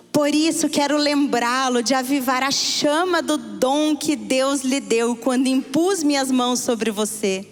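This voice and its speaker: A woman with a Brazilian Portuguese accent preaching a sermon, telling a story and swinging between hushed and excited tones. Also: high voice. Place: church hall. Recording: hall reverb.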